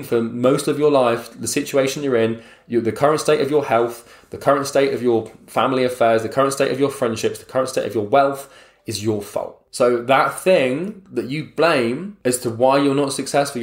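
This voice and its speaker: A man's voice: mid-range voice, normal speed. Blunt young man, roomy echo. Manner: blunt, swears casually, addresses listener as mate. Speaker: motivational speaker. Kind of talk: motivational talk to the listener.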